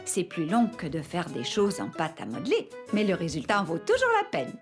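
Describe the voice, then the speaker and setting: A woman's voice: on the low side, wildly swooping pitch, a little fast. A woman playing a kindly, patient grandmother in a children's cartoon, explaining things in an encouraging way, with music behind.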